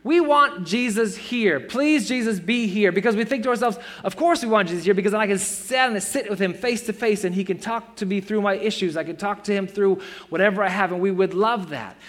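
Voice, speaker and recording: Man, forties, pastor, sermon in church, high-pitched, earnest, conversational. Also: a little fast, fairly bright tone. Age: 40s. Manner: earnest, conversational with playful self-mocking asides.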